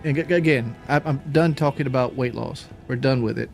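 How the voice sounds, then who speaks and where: Brief: male streamer, casual rambling chat, winded, mid pitch, desk mic, faint music behind. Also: fairly quick, gravelly, darkish tone. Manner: rambling, repeats words, swears casually. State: out of breath after a workout. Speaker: live streamer.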